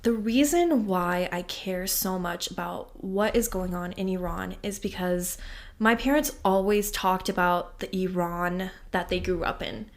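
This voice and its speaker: A woman's voice: lowish voice, unhurried. A young woman who grew up in the United States, speaking as a podcast guest in a heartfelt, impassioned way. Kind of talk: personal interview answers.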